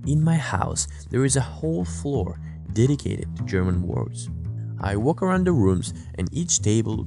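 A man narrating a scripted self-improvement lesson in a calm, instructive way, English not his first language. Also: on the low side, vocal fry. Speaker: self-improvement channel host. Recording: voice-over with guitar music behind.

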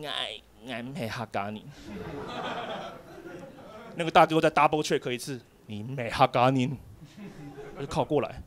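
A man's voice: mid-range voice, normal speed, pauses often. A young man performing a stand-up comedy set on a club stage, telling a story and acting out the people in it with shifting voices. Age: young adult. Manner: animated storyteller, acts out characters in shifting voices.

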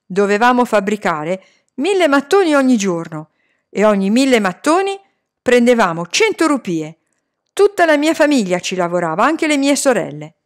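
A woman voicing a frightened, stubborn boy who shouts back defiantly. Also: fairly high pitch, very animated, normal speed, voice pushed up. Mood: angry, defiant.

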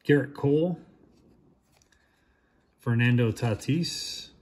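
A man in his thirties giving casual, low-key commentary while opening packs at a shop counter, naming each player as it comes up. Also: takes it slowly, darkish tone.

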